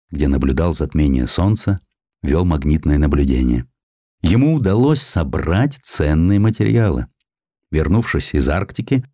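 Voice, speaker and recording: A man reading a historical essay as an audiobook narrator, in an expressive, scripted literary style. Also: sits low, no echo, clean studio sound.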